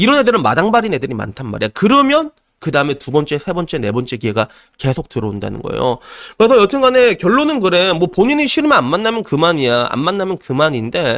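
A man with a high pitch speaks at a very fast pace with very wide pitch swings, in a very clean recording with a silent background. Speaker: dating and relationship youtuber. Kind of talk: casual monologue to camera. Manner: animated.

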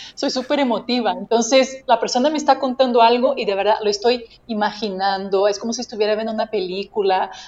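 Hardly pausing, the speaker talks at a fairly quick pace with a Brazilian accent and ordinary pitch variation. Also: woman, fairly high pitch for a woman. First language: Portuguese (speaking Spanish). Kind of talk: casual interview. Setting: video call.

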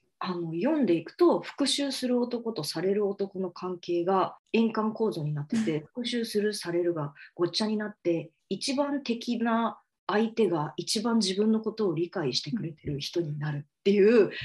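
Somewhat breathy, a woman with a medium pitch talks at a moderate pace, her intonation lively and her speech with hardly any pauses. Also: big swings in loudness. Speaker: literature professor. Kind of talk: interview. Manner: casual, animated.

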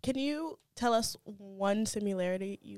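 A woman with an unremarkable speaking voice, pitched fairly high and with ordinary pitch variation, sounds dry and close with no echo. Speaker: student podcast co-host. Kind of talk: casual interview.

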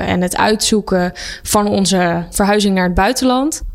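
Amid noticeable background noise, a woman talks at medium pitch and a fairly slow pace. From Netherlands, Castricum. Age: 30s. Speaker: guesthouse owner. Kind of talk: interview. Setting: on location at guesthouse.

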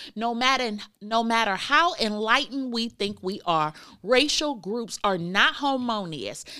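A woman with a fairly high pitch and a bright, sharp tone, lively intonation, a fairly slow pace, and a very clean recording with a silent background. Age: 40s. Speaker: podcast co-host. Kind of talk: casual chat.

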